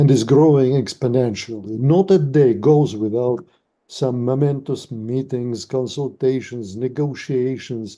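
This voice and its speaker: With a non-native accent, a man speaks in a dark, mellow tone at a fairly slow pace. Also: medium pitch for a man, ordinary pitch variation. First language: not English. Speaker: panelist at academic conference. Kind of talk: conference talk.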